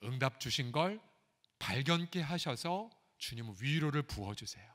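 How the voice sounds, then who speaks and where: A man preaching a sermon as pastor, acting out quoted prayers and replies, his voice rising to loud pleas and dropping to a hush. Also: mid-range voice, lively intonation, normal speed. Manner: acts out quoted prayers and God's replies, swinging between loud pleas and hushed lines. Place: church sanctuary. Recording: live church recording with long hall reverb.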